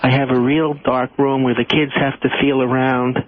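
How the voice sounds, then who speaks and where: A man's voice: mid-range voice, flat delivery, normal speed, close to an everyday voice. Man doing creepy convict on tinny phone. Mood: lewd, eager. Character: creepy, lewd male prison inmate. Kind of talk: prank phone call. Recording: tinny, narrow phone line.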